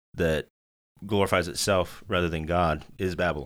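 In a very clean recording with a silent background, a man with a very deep, low pitch speaks at a fairly quick pace and with fairly even intonation. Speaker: podcast co-host, devotional author. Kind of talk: casual conversation about faith and theology. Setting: studio.

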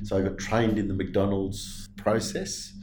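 A fairly low-pitched man's voice with fairly even intonation, audible room echo, and noticeable background noise. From Australia, Brisbane; born in Leeds, England. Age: 50s. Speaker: finance company co-founder. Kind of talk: interview.

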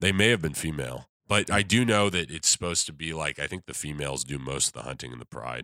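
A man with a very deep, low pitch and an American accent talks at a very fast pace with hardly any pauses, lively intonation, vocal fry, a bright, sharp tone and big swings in loudness, captured dry and close with no echo on a very clean recording against a silent background. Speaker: podcast co-host. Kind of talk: casual chat.

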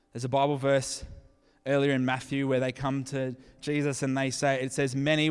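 Over a silent background on a very clean recording, a man with an Australian accent speaks at medium pitch and a fairly quick pace in a monotone, flat intonation. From Queensland, Australia. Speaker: pastor. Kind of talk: sermon. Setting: church. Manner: halting.

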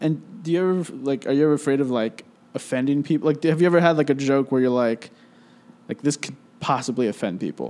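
At a very fast pace, a man talks in a fairly high pitch with a dark, mellow tone and ordinary pitch variation. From US, suburbs. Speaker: podcast host. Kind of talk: casual interview chat. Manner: halting, many fillers.

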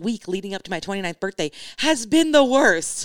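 There is an unremarkable speaking voice from a woman with an American accent, medium-pitched and fairly quick, recorded very clean with a silent background and a dry, close sound with no echo. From Sunnyvale, California. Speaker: stand-up comedian. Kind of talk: casual chat.

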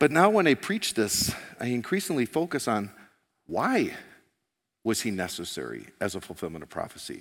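A man talks at a moderate pace in a medium pitch, with vocal fry. His pitch swings very widely, in a very clean recording with a silent background. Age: 60s. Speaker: pastor. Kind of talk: sermon.

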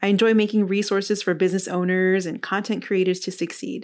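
In a very clean recording with a silent background, a woman of medium pitch talks at a fairly quick pace with a West Coast US accent. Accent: General American, West Coast. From Los Angeles, California. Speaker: podcast host. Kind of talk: scripted monologue.

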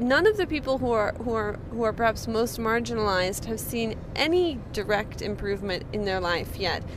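Over noticeable background noise and audible room echo, a woman speaks at a moderate pace with hardly any pauses. Her fairly high voice has lively intonation. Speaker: journalist podcaster. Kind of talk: casual chat. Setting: in a car.

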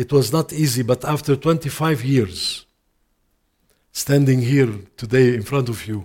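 Somewhat breathy, the voice moves at a fairly slow pace with ordinary pitch variation and an Arabic accent. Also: man. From Lebanon. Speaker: pastor and ministry leader. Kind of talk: sermon-style presentation. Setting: church.

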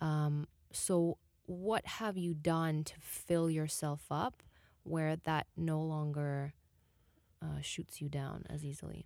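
Speaking at a very slow pace, a woman uses a very deep, low pitch with fairly even intonation. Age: 30s. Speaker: podcast host. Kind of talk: interview.

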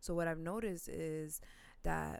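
Speaking in a New York accent, a woman has a fairly low pitch and a dark, mellow tone. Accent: heavy New York. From New York, Queens. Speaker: podcast host. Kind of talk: solo monologue. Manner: passionate, conversational.

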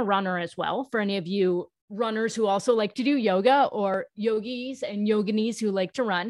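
A woman with a fairly high pitch and ordinary pitch variation has an unremarkable speaking voice. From New York, US. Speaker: yoga teacher. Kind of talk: casual chat. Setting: remote call.

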